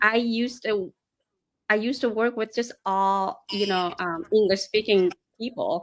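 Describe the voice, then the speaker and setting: A woman with a fairly high pitch speaks fairly slowly, her pitch varying in an ordinary way. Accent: Vietnamese. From Vietnam, moved abroad at eleven. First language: Vietnamese. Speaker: business owner. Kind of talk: casual chat. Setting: livestream. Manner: halting, many fillers.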